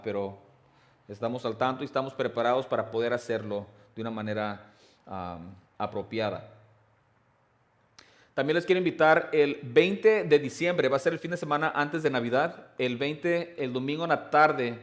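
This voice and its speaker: A male pastor speaking to his congregation at an outdoor service. He talks in an unhurried way with many fillers and pauses. When he reads scripture, his voice rises and grows louder. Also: medium pitch. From Southern California. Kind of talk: sermon with church announcements.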